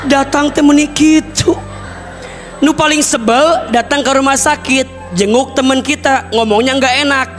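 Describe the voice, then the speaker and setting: A man with a Sundanese accent giving a lively sermon, acting out everyday conversations and breaking into loud, emphatic lines. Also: extremely high pitch, normal speed, faint music behind. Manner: animated, acts out everyday dialogues, bursts into loud emphatic lines. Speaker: preacher. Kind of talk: lively sermon to a mostly female audience.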